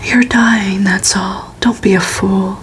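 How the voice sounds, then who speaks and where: Woman doing a bossy scornful male vampire, all breathy whisper, slow, storybook asmr. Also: medium pitch, steady tone, noisy background, close to an everyday voice. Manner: scornful, commanding. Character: arrogant, impatient male vampire, bullying and scornful.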